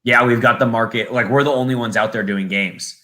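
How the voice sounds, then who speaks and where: A man's voice: medium pitch, steady tone, brisk, sharp tone. A young man with a Southern California accent, a play-by-play announcer chatting on a podcast, rambling with lots of fillers and restarts. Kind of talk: casual podcast chat.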